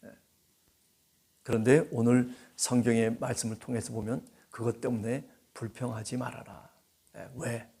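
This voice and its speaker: Gravelly-voiced man preaching a gentle sermon. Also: mid-range voice, little pitch movement, moderate pace. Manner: gentle, conversational preaching with frequent "예" and "그죠?"; voices God and believers in quoted speech. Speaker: pastor. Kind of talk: expository dawn-prayer sermon.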